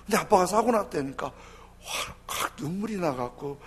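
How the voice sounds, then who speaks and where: A male pastor preaches in a church, pitching his story up high and down to a whisper. His voice is lively and very raspy with a gravelly edge. A long hall reverb carries every phrase. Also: normal speed. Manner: emotive storytelling, swings from loud to hushed. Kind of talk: sermon. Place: church sanctuary.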